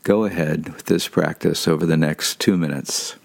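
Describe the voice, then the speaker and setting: A man leading a guided Christian meditation, giving calm, gentle instructions. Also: rumbling low, normal speed, creaky.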